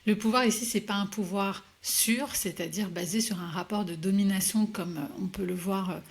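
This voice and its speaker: A woman coach as an interview guest, telling her story hesitantly with many pauses and restarts. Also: medium pitch. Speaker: executive coach, podcast guest. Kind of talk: conversational interview answers.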